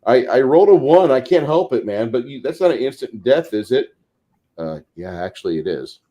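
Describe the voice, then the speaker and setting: This man has a mid-range, mellow, sing-song voice at a normal speed, and the highs are cut off. He's talking game mastering casually on a tabletop gaming talk show, bluntly and emphatically, swearing and performing made-up quotes.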